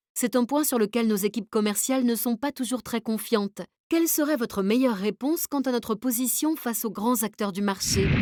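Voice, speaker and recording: Speaking at a fairly quick pace, a woman has a fairly high pitch, a dark, mellow tone, ordinary pitch variation and very even loudness, on a very clean recording with a silent background and a dry, close sound with no echo. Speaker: voice actor. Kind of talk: e-learning narration. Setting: studio.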